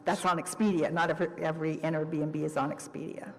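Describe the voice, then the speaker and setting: A woman's voice: low-pitched, level tone, very fast, darkish tone. A woman who runs a bed and breakfast, confidently explaining and clarifying points under questioning at a city committee. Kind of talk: public testimony Q and A. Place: city council committee chamber. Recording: reverberant council chamber.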